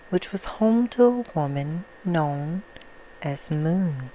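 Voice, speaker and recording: A woman playing a vampire who reads a bedtime story in a hushed, soothing ASMR roleplay style. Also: fairly low pitch, slight background noise, poor audio. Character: female vampire reading a soft bedtime story.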